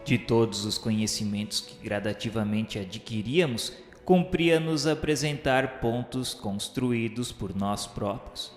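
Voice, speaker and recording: Radio novel narrator, male actor as a mournful Brazilian male spirit; stately, unhurried literary delivery, mid-pitched, in a long reverb. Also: expressive, lightly acted. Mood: solemn. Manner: grave, declamatory, measured literary diction. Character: solemn, sorrowful male spirit recounting his afterlife trials. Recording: echoey reverberant voice over music. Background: music.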